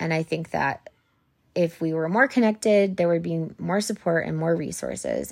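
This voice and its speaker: On a very clean recording with a silent background, a woman with an unremarkable speaking voice, fairly low in pitch, talks at a moderate pace with ordinary pitch variation. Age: 40s. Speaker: podcast host, crisis counselor. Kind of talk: personal storytelling monologue. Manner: casual, filler-heavy.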